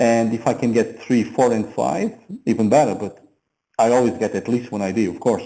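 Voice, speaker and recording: Speaking at a fairly quick pace, a man with medium pitch has a dark, mellow tone and fairly even intonation. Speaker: small business speaker. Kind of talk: motivational talk. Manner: sluggish.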